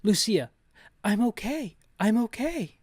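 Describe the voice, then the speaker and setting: Man putting on a high, anxious little girl. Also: big pitch swings, slow pace, husky, no echo, full character voice. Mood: shaky reassurance. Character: frightened young girl in a survival horror game. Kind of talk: dramatic video game dialogue read-aloud.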